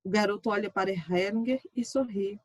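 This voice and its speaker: A woman teacher reading a session transcript aloud in a steady, measured way. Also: medium pitch, dry recording.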